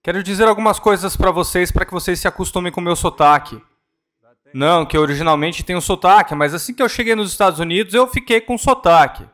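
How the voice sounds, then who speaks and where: Guy interpreting a church talk, kinda high voice, earnest, steady, fixes his words as he goes. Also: fast talker. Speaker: live interpreter at a church conference. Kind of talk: consecutive interpretation of a ministry talk. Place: church conference hall.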